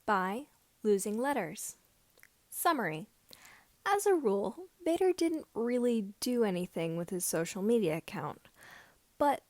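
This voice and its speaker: Higher-voiced woman narrating, slightly halting. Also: dry recording. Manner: somewhat halting phrasing. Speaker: amateur audiobook reader of fan fiction. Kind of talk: scripted story narration.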